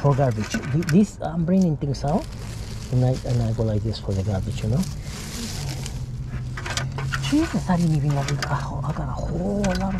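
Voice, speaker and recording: Casual male vlogger, halting and repetitive, very lively intonation, heavy car ambience. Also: a little high. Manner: repetitive, halting, checks with "okay?" and "you know?". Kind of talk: casual chat while tidying a car. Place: in and beside a parked car. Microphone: body-worn action camera. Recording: noisy car and parking-lot ambience.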